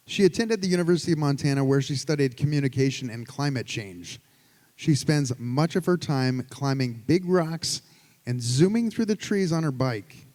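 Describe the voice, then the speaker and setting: A man hosting a live storytelling night, reading a prepared introduction of the next speaker in a measured way. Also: fairly high pitch, dark tone. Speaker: event host introducing storytellers. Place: live event venue with long reverb. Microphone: stage microphone. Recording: live hall with long reverb.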